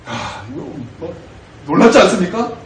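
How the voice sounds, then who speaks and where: A man with a high voice preaching a sermon, his delivery climbing into loud, shouted declarations. He is heard from a distance in a reverberant church, with a faint hiss underneath. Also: sing-song, moderate pace. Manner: preaching with rising shouted exclamations. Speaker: pastor. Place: church sanctuary. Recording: echoey room from far off with faint noise.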